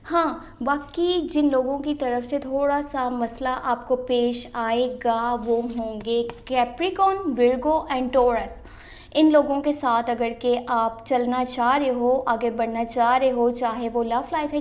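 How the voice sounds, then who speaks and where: A woman's voice: a little high, a little mellow. A woman with a slightly sore throat, giving a tarot reading to viewers and mixing in English phrases. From Pakistan. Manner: mixes English phrases into her talk. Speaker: tarot reader and channel host.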